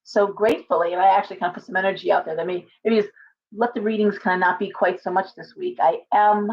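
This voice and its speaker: A middle-aged woman, a tarot reader, chatting casually on a livestream from her living room, hoarse from coughing and rambling with many restarts. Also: mid-range voice, fairly even intonation, fast, a little mellow. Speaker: tarot reader and shop owner. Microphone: webcam at desk distance. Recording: slightly dull lo-fi webcam audio.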